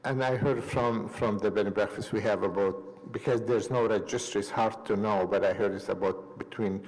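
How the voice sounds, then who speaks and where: A man's voice: lowish voice, steady tone, normal speed, a little mellow. A man serving as a city councillor, politely questioning a witness, hesitant with many fillers. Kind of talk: questioning a witness at a public meeting. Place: city council committee chamber. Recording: reverberant council chamber.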